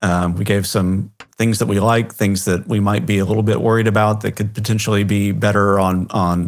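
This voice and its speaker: Speaking at a fairly quick pace, a man with a slight Arkansas accent has a fairly low pitch, captured in a very clean recording with a silent background. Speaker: podcast host. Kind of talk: casual podcast discussion.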